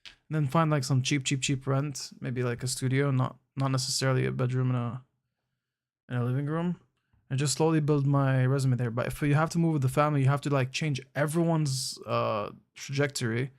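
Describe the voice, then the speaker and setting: A man's voice: mid-range voice, steady tone, brisk, vocal fry. A young man from the United Arab Emirates chatting casually with viewers on a live stream, easygoing and slangy, thinking aloud with frequent restarts. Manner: laid-back, slangy, calls chatters bro.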